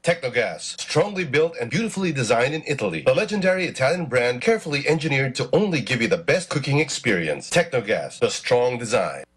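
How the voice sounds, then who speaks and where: A male commercial announcer delivers scripted sponsor plugs. His voice is middle in pitch with a husky grain, and his intonation is very animated. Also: a little fast, hardly any pauses.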